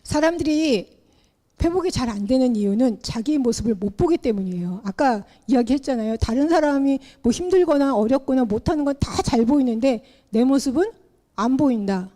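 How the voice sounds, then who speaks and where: Mellow-voiced woman preaching a sermon. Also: high voice, moderate pace. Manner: animated, acts out the Bible characters in her telling.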